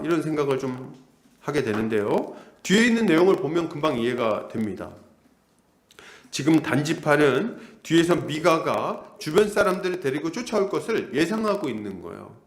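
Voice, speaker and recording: Lively preaching man in an echoey hall. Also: fairly high pitch. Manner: animated, acts out characters. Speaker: pastor. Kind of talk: expository sermon. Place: church hall.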